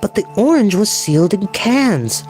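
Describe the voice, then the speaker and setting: A man's voice: sits high, big pitch swings, brisk, over music, voice pushed up. A man voicing an indignant, incredulous young boy in a children's fantasy audiobook, plain-spoken and emphatic.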